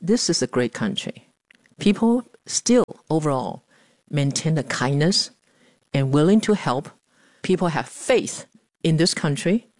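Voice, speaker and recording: A woman in her seventies from Taiwan, talking earnestly about her life in a news feature interview with pauses and fillers. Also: low-pitched, animated, darkish tone, no echo. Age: 70s. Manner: earnest, plain-spoken, with frequent pauses and fillers. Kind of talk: personal interview monologue.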